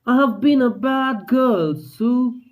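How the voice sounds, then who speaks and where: Sick, weak young woman, soft and high; a man doing it. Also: slow, narrow, tinny audio. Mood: remorseful.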